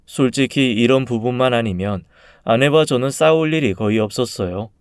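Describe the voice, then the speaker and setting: Male story reader, calm and subdued, resonant and clean. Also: medium pitch, moderate pace, smooth, no room sound, clean studio sound. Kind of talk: first-person story narration.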